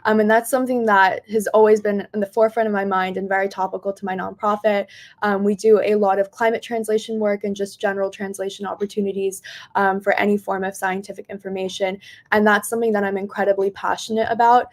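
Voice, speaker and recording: A woman's voice: mid-range voice, level tone, fast talker. A young woman whose first language is Japanese, speaking earnestly as a panelist on an online call. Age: young adult. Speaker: panelist, nonprofit founder.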